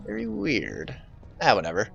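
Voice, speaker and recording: Bright-voiced man doing game commentary. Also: fairly low pitch, huge pitch swings, moderate pace, gravelly, slightly rough, dull audio, faint music behind. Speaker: video game let's play host. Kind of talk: casual gameplay commentary.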